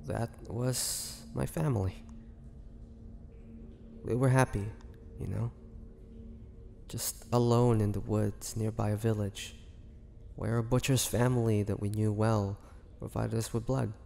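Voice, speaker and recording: A man playing a melancholy half-vampire, confiding his past slowly and haltingly in a dramatic audio roleplay monologue. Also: on the low side, steady tone, vocal fry, mellow. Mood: wistful. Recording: long reverberant hall, faint noise.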